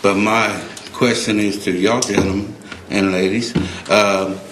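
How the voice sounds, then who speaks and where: Halting, earnest man in an echoey chamber. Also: fairly low pitch, flat delivery, fairly bright tone. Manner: halting, earnest, many restarts. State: emotional. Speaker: public commenter at city council. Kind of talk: public comment, unscripted plea. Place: council chamber. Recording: echoey council chamber, faint noise.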